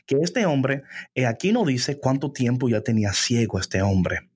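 Husky, expressive man preaching on a podcast. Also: medium pitch, unhurried. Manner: expressive, preacherly, mixes in English phrases. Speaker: podcast co-host. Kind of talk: faith podcast conversation.

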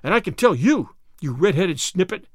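A man's voice: high voice, big pitch swings, moderate pace, breathy edge, dry recording, clean studio sound, full character voice. Guy putting on a blustering angry farmer, spluttering, voice shooting way up and swinging all over. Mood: scathing. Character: irate stout bald middle-aged male farmer.

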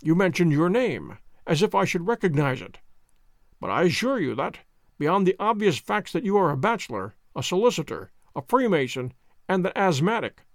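A man voicing a composed detective who speaks in a measured, precise, dryly amused way. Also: high-pitched, big pitch swings, creaky, no room sound, clean studio sound, full character voice. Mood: calm dry. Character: cool, ironic male detective, composed.

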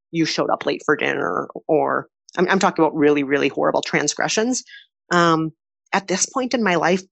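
A woman in her thirties from Minnesota with a Minnesota accent, answering interview questions in a chatty, animated way with frequent fillers and laughter. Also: low voice, gravelly, no echo. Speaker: podcast host, interviewee. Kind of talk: conversational interview.

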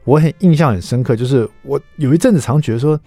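A man's voice: medium pitch, fast talker, dark tone, no echo, soft background music. A middle-aged man, a radio host telling family anecdotes in a chatty way and dropping in English words, on a close studio mic. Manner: chatty storyteller who drops English words into his speech.

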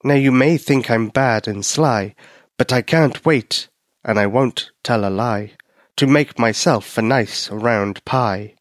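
A man voicing a sly, menacing male cat who hunts mice and speaks slowly in rhyme, read as a storybook figure. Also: mid-range voice, no room sound, natural voice. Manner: slow, drawn-out, speaks in rhyme.

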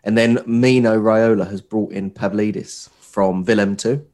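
A young man co-hosting a casual podcast, nasal from a cold, relaxed and wry, often trailing off quietly. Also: lowish voice, a little slow. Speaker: podcast co-host. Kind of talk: casual chat.

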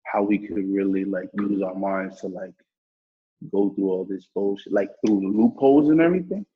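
A young man in his twenties from New York talks in a low, husky voice, loose and slangy, swearing freely. The sound is dull and muffled, like a lo-fi recording. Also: normal speed. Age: 20s. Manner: slangy, profane, loose and laid-back. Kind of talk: casual interview chat.

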